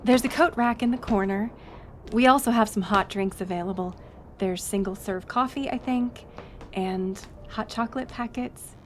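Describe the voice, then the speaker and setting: A woman's voice: medium pitch, moderate pace, slight background noise, close to an everyday voice. A woman playing a friendly, chatty young docent at a historic house in an audio roleplay, casual and upbeat as she talks to the listener. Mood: welcoming. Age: young adult. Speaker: museum tour guide. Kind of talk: audio roleplay, one-sided conversation with listener.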